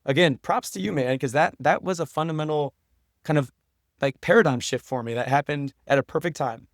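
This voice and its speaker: Male podcast guest, slightly higher-pitched, dry close sound, informal and sincere, conversational answers full of "you know". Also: a little fast, no echo. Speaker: podcast guest, professor and documentary maker. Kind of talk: casual conversational interview answers.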